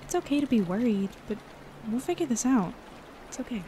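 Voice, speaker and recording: An actress playing a relaxed, reassuring young woman in a naturalistic audio drama. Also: fairly high pitch, a little fast, background noise, lightly acted.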